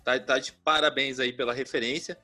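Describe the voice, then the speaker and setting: A man's voice: mid-range voice, steady tone, fairly quick, bright, forceful tone, faint music behind. A man co-hosting a comedy podcast, announcing scores in a matter-of-fact way. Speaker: podcast co-host judge.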